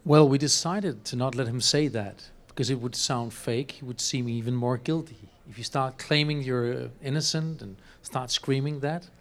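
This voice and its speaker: A man's voice: medium pitch, fairly even intonation, normal speed, hardly any pauses. A man, a film director, explaining his work earnestly in slightly phrasing with light laughs. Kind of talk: panel interview.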